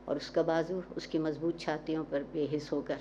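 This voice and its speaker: A woman gives a measured, expressive reading of a literary short story. Her voice sits a little low. The recording sounds dull, with faint ambience underneath. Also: a little hiss or hum.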